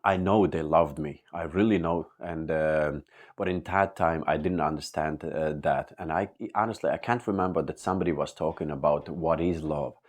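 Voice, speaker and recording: Guy with a really low voice telling his church testimony, lots of uh and um, sincere. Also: fairly even intonation. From Latvia. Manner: halting, with many uh and um pauses; earnest and open. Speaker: church member giving testimony. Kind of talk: personal testimony.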